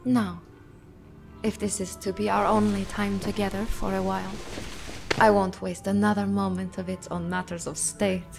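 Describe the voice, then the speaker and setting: A stately empress with a deeply creaky voice. She speaks formally and with measured command, in audio-drama style over faint music. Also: level tone. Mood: intimate.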